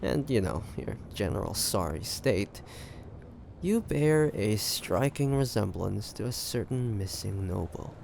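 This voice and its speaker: Guy acting as smug pirate captain, gravelly and unhurried, sly taunting roleplay talk, bit of background noise. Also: on the low side, sing-song, darkish tone, exaggerated voice. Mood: amused, sizing up. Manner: taunting, deliberate, conspiratorial, with dry chuckles. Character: ambitious, shrewd, smug male pirate captain. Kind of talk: roleplay audio drama monologue addressed to listener.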